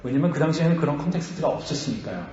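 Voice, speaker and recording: A male pastor preaching a sermon, talking in a lively way, asking the congregation questions and acting out quotes. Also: on the high side, rapid-fire, roomy sound, big-room sound, highs cut off. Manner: animated, asks the congregation questions and acts out quotes.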